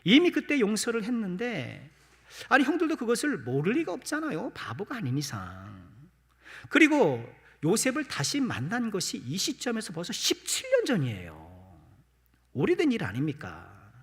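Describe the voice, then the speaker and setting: Male pastor, slightly higher voice, lively ups and downs, Sunday sermon, church reverb. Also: normal speed, breathy edge. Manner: addresses the congregation with rhetorical questions, light self-deprecating humor. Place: church sanctuary. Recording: long church-hall reverb.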